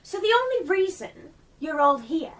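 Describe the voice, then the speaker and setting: A woman playing an indignant, shameless, newly dead journalist in her twenties in a radio play, brisk and self-justifying. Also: extremely high pitch, big pitch swings, fairly bright tone, heavily acted. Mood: incredulous. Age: 20s. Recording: distant microphone.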